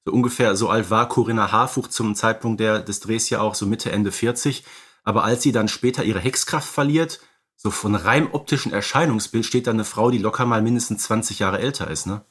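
Emphatic man with a slightly husky voice. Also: fairly low pitch, a little fast, fairly bright tone. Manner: emphatic, repeats words for stress. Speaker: podcast co-host. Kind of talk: conversational film analysis podcast.

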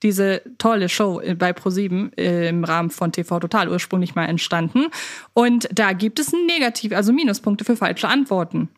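A woman's voice: medium pitch, normal speed. A woman chatting casually as a quiz contestant on a podcast, with a teasing, playfully sarcastic manner.

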